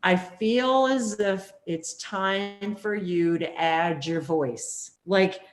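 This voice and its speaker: A woman hosting a spiritual interview, talking in a rambling, animated way with plenty of fillers. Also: mid-range voice, drawn-out words. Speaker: host. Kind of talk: casual spiritual interview chat.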